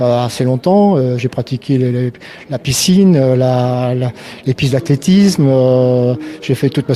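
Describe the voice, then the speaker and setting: A man talks at a medium pitch while noticeable noise is heard behind him. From northern France, Caudry (Nord). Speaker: photographer. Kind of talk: interview. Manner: halting, many hesitations.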